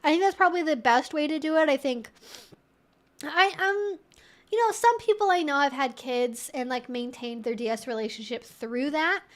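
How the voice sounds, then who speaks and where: High-voiced woman chatting on a livestream. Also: moderate pace. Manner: conversational, explanatory, peppered with "like" and "you know". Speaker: host of a live Q&A stream. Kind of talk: casual educational livestream talk.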